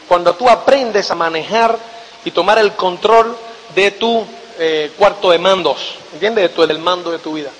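A man with a very high voice gives a motivational seminar talk. He speaks emphatically and keeps checking in with his listeners through short tag questions. His voice rings out with a long hall reverb behind it. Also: normal speed, a little hiss or hum. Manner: emphatic, lively delivery.

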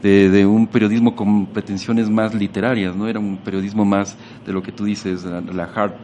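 A man hosting a conversational radio interview, asking in hesitant, halting phrases. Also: lowish voice, little pitch movement, warm tone, a little hiss or hum. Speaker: interviewer, host.

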